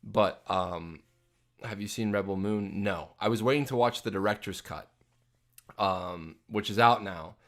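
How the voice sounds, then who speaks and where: A man's voice: lowish voice, a little slow, fairly bright tone. A young man hosting a casual live Q&A, reading out chat questions and answering in a rambling way with lots of ums and restarts. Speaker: livestream host answering chat. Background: jazz playing from a phone.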